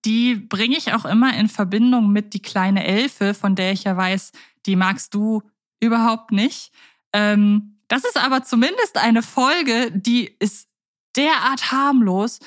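A woman co-hosting a podcast, talking in a chatty way and thinking aloud with fillers. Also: medium pitch. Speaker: podcast co-host. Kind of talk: casual podcast discussion.

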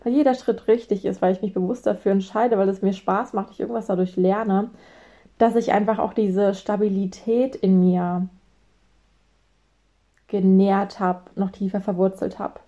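A woman in her late twenties, a business mentor, talking reflectively to her audience and acting out her own anxious inner voice with sudden high exclamations. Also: fairly even intonation, normal speed, dark tone. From Germany. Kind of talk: reflective solo talk.

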